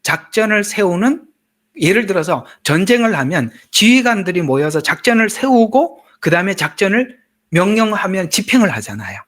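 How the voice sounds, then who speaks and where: Lively high-voiced pastor. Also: male voice, brisk. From Gyeongsang region, Korea. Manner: chatty, joking preaching with asides to the congregation. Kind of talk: sermon.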